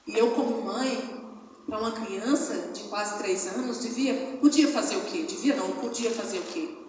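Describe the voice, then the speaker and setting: A woman's voice: on the high side, normal speed, darkish tone. A middle-aged woman preaching a sermon as a missionary, telling stories and acting out quoted speech with rising emphasis. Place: church hall. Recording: echoey hall from far off, faint noise.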